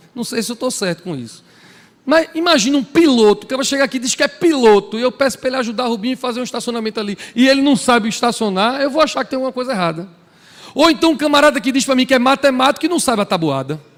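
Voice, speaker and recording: Very fast speech from a man with an extremely high pitch, over noticeable background noise. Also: ordinary pitch variation. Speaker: preacher. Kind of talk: sermon. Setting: church with congregation.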